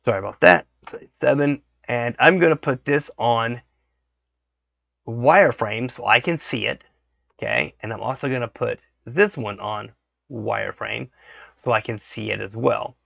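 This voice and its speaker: Brief: hoarse man, bright gravelly voice, relaxed tutorial talk, dry dull desk-mic sound. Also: mid-range voice, moderate pace, no echo. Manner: thinks aloud, frequent "okay" checks. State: hoarse from a cold. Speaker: 3D modeling tutorial host. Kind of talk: casual screen-recorded tutorial.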